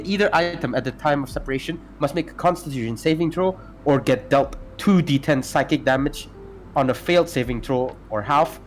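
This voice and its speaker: A man's voice: mid-range voice, a little hiss or hum. Hesitant man reading game item rules. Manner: hesitant, many fillers and self-corrections. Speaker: podcast co-host presenting homebrew. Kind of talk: casual chat and reading stat blocks.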